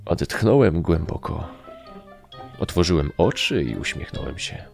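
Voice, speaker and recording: A man's voice: rumbling low, sing-song, unhurried, creaky, faint music behind. A man reading a first-person story as an audiobook narrator, with a dry, wry way of telling it.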